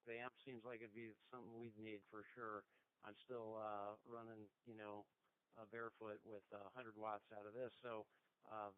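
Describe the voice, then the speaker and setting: A man's voice: on the low side, clean tone. A man on a ham radio contact, easygoing and hesitant, with many fillers. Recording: tinny radio transmission.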